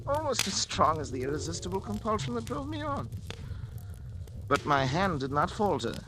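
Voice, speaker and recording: A haunted doctor in an old radio horror play. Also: male voice, high-pitched, big pitch swings, moderate pace. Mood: grave. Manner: hushed, coaxing with his son, then solemn confessional narration. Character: guilt-ridden scientist father, grave and haunted. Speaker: doctor and narrator. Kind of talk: 1940s radio drama acting. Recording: old radio broadcast with music bed.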